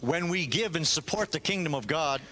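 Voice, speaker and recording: An older male preacher from Canada delivers his sermon in short, measured phrases. He leaves gaps for an interpreter. His voice is bright and sits a little high. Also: expressive. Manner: storytelling, pauses in short phrases for translation.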